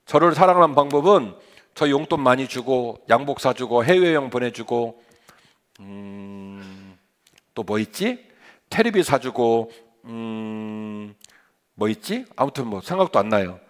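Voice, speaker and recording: A middle-aged male pastor preaching a sermon in an animated, conversational way, full of rhetorical questions and humorous asides. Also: mid-range voice, a little slow.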